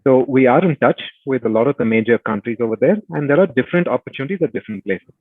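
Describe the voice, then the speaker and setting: A man's voice: medium pitch, quick pace. Man, company executive explaining on a conference call, thin phone audio, no echo. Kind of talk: answering questions on an earnings call. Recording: tinny phone line.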